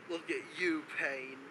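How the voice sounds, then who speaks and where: A man voicing a grim undead male warrior, slow, menacing and half-whispered. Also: on the high side, noisy background, voice pushed down.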